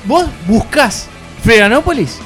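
A man jokes on a radio talk show in a high, lively voice that leaps up and down. He mocks and exaggerates in casual banter. Faint music sits underneath. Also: a little slow. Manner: mocking, exaggerated. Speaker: radio co-host.

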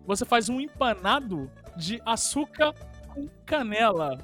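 High-voiced joking Brazilian man. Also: a little slow, soft background music. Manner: profane, joking, excitable. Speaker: podcast co-host. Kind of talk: casual chat.

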